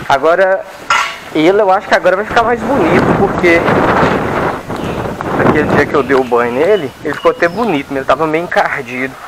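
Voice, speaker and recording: A man's voice: on the high side, heavy background noise. A man giving casual running commentary while he works with his dogs outdoors, coaxing and scolding them as he goes. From Brazil. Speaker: dog owner vlogger. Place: outdoor yard with dog kennels.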